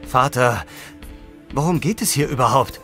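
A man's voice: medium pitch, animated, normal speed, fairly bright tone, faint music behind. An actor playing an agitated teenage boy, the son of a family, speaking urgently in an audio drama. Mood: concerned. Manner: urgent, alarmed. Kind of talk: German audio drama acting.

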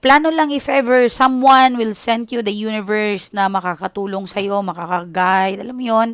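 A woman's voice: mid-range voice, normal speed, no room sound, clean studio sound. Chatty Filipina woman reading tarot. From Philippines. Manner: chatty, switches into English, frequent "okay?". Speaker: tarot reader. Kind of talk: casual tarot reading chat.

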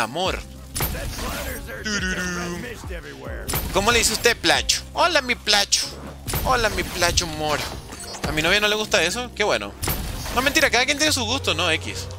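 Young man, jokey stream chat, game music behind. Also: fairly high pitch. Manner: jokey, reads and answers chat, animated outbursts. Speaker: gaming streamer. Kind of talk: casual live-stream chat while playing.

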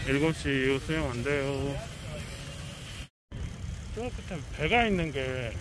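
A man's voice: medium pitch, lively intonation, takes it slowly, noisy background. Man muttering while cycling outdoors. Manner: brief offhand remarks to himself. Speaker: travel vlogger. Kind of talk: casual narration while cycling. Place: outdoors on a seaside road and beach.

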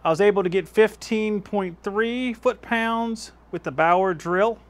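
A man's voice: high-pitched, measured pace. Chatty man testing tools in a workshop. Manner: chatty and easygoing, laughs at his own results. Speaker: tool-testing YouTube host. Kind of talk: casual hands-on tool review. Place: home workshop with shelves of power tools, indoors. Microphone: clip-on lapel mic.

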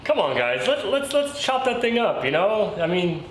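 Speaking from a garage workshop indoors, a thirty-something car rebuild vlogger chats informally with his audience. His voice sits high with big pitch swings at a moderate pace, over roomy echo and faint background noise.

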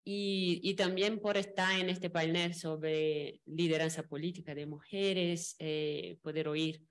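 Slow-speaking Brazilian woman mixing Spanish and Portuguese. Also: on the low side, fairly even intonation. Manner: Spanish mixed with Portuguese words, halting. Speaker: panel speaker, commentator. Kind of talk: semi-spontaneous panel remarks. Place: auditorium panel table. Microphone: gooseneck table microphone.

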